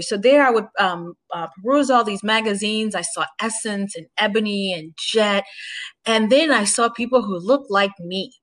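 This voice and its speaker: This interview guest, a former broadcaster and makeup artist originally from Haiti and raised in Boston, reflects conversationally with many restarts. Her voice is medium-pitched with a fairly bright tone.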